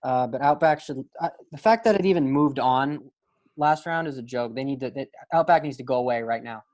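A man's voice: medium pitch, brisk, darkish tone. A man co-hosting a casual podcast, making harsh, exaggerated put-downs. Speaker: podcast co-host.

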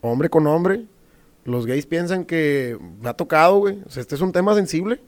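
A man's voice: on the high side, expressive, moderate pace, crowd noise. A young man telling a story in casual chat, slangy, laughing often and swearing freely.

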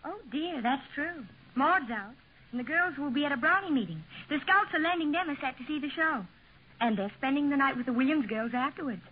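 A woman's voice: high voice, animated, fairly quick. A woman playing a flustered, fretful housewife in a 1940s radio comedy. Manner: fretful, plaintive. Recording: hissy lo-fi old radio broadcast.

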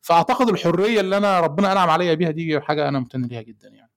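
A young Egyptian man speaks with an Egyptian Arabic accent as a podcast guest, rushing along very quickly in a somewhat high voice. He is easygoing and reflective and sometimes searches for the right word. The sound is dry and close. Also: no room sound. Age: young adult. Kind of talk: casual podcast conversation.

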